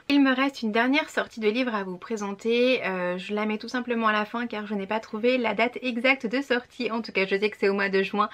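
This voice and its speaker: A woman talks through the month's book releases in a relaxed, chatty vlog voice. She hesitates often, filling pauses with small sounds before picking up her thread, and her pitch sits slightly high. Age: 30s. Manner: chatty, frequent hesitations with "euh". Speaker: book vlogger. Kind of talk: casual book release roundup.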